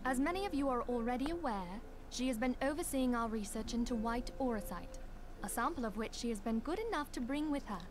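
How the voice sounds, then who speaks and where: A woman's voice: on the high side, a little fast, slight background noise, close to an everyday voice. An actress playing a gracious, composed female leader in a video game, formal and courteous in her delivery. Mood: formal, welcoming.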